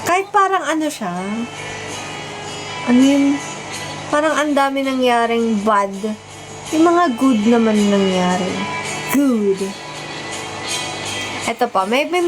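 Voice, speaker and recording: High-voiced young woman, rambling and giggly. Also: low-quality recording. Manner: rambling, giggly storytelling with many fillers. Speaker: livestream host. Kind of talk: casual livestream chat.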